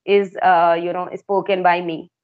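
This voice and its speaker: A woman's voice: fairly low pitch, little pitch movement, unhurried, narrow, tinny audio. A woman in her thirties from Uttar Pradesh, India, a native Hindi speaker who tutors English, talking in hesitant English with an Indian accent, full of fillers and restarts. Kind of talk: casual English conversation practice.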